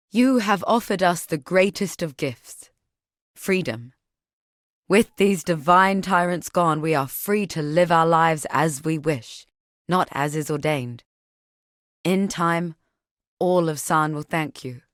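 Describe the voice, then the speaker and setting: A solemn, watchful tribal woman speaks as a video game ally. Her voice sits somewhat low for a woman. She tells things in measured, poetic phrases with an earnest weight, recorded very dry, without room sound. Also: fairly bright tone, no echo. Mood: grateful. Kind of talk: scripted video game character dialogue.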